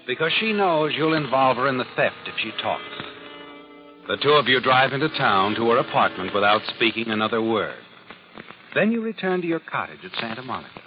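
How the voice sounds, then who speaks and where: A man's voice: medium pitch, big pitch swings, a little fast, natural voice. A man playing an all-knowing, taunting narrator of crime tales on 1940s radio, insinuating with needling questions. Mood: taunting, ominous. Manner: insinuating, second-person questioning. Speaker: narrator and host. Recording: muffled old radio, loud music behind.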